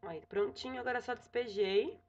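A young woman with a Brazilian accent talks viewers through a recipe in a friendly, chatty way, often pausing to check they are following. Her voice sits a little high. The recording is somewhat dull and lo-fi, like a home setup. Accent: Brazilian Portuguese. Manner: chatty, frequent "tá?" check-ins and self-corrections. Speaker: cooking vlogger. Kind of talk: casual cooking tutorial. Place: home kitchen.

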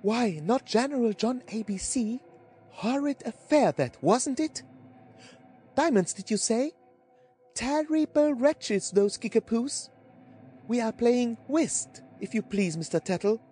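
A woman's voice: fairly high pitch, expressive, slow pace, mellow, breathy edge, exaggerated voice. A woman playing an affected, exclamatory society gossip in a comic period story. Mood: gossipy, distracted. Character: chattering society gossips at cards and dances.

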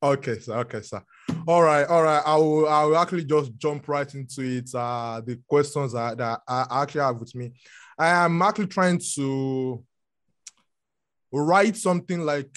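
A man with a Nigerian accent hosting a podcast interview, speaking haltingly with many restarts and fillers. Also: fairly high pitch. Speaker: podcast host.

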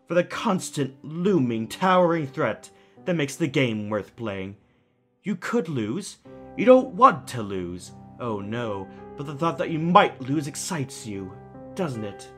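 A man playing a calculating, smugly theatrical kidnapper in an audio drama, mocking with drawn-out, deliberate phrasing. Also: on the high side, fairly bright tone. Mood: taunting.

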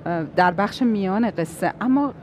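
A woman's voice: medium pitch, animated. Articulate woman interviewer, noisy background. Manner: articulate, long winding questions, warm affirmations. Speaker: interviewer host. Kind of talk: TV interview questions.

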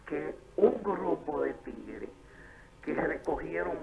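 A woman calling in to a talk show by phone, telling a rambling eyewitness account that gets loud at times. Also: sits low, expressive, takes it slowly, vocal fry, very noisy. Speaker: caller. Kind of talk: phone-in call. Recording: muffled phone-line call.

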